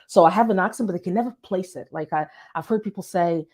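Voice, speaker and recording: A woman's voice: fairly low pitch, fast, darkish tone. A woman from Portugal with a light, hard-to-place accent touched with British sounds, talking to camera as a marketing strategist giving business advice. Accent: light hard-to-place foreign accent with some British touches. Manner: conversational, storytelling, addresses viewers directly.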